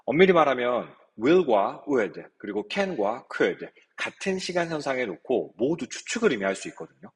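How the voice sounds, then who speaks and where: A man's voice: mid-range voice, breathy edge, big-room sound. A man teaching an English grammar lecture, explaining step by step and asking his students rhetorical questions. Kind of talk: recorded lecture.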